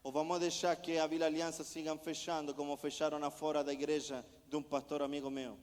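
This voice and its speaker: A man's voice: on the high side, level tone, a little fast, darkish tone. A man, a missionary preacher, delivering an impassioned sermon full of repeated rhetorical questions. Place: church sanctuary. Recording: long church hall reverb.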